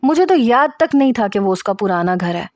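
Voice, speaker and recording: A woman's voice: fairly high pitch, expressive, no room sound, close to an everyday voice. Woman voicing an angry young husband. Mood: explaining. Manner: scolding, sharp.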